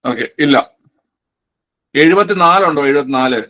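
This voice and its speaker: A man's voice: on the high side, expressive, moderate pace, sharp tone. A man teaching an exam-prep quiz class online, repeating each answer and asking himself questions before answering them.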